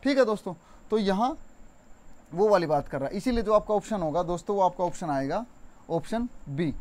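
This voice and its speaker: A young man teaching an exam-prep Hindi spelling lesson, chatty and repetitive, stretching words slowly to show stress. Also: high-pitched, expressive, a little mellow. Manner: addresses viewers as friends, conversational.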